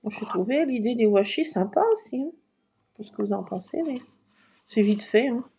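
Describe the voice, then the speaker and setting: A woman chatting through a casual craft tutorial at home at night, keeping her voice hushed and often slipping into a whisper, with rambling asides. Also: fairly high pitch, animated, normal speed. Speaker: craft video maker. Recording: muffled lo-fi with faint noise.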